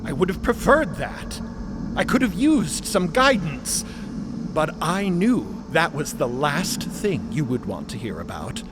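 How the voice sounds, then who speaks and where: An earnest man asserting his own life in an audio drama. His voice is fairly high and very expressive, delivered slowly and with assurance. There is clear ambient noise behind him. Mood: pained, candid. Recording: noisy ambient sound bed behind voice.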